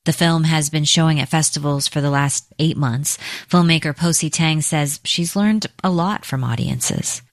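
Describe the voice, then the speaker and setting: A woman hosting a radio news program, asking measured, probing questions. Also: low voice, no room sound. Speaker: news host.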